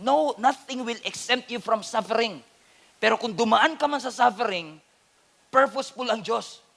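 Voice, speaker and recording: A male pastor from the Philippines delivers an animated, humorous sermon mixing Tagalog and English, with a Filipino accent. His voice is very high-pitched with vocal fry, and he speaks at a moderate pace.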